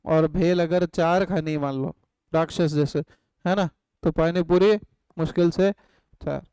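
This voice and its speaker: A man with an Indian accent teaching an online economics class in a high, clear voice. He asks questions and answers them himself, and he sometimes dictates notes word by word. The recording is close and dry. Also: fairly even intonation, a little slow, darkish tone, no room sound, rough recording. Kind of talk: live online class lecture.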